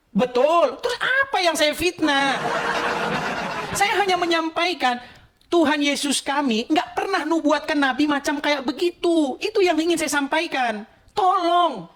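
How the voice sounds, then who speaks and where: A man's voice: very high voice, fairly bright tone. A man hosting his own channel, talking straight to a phone camera in a heated, emphatic livestream monologue. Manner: emphatic, heated, repeats "gitu loh". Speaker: channel host.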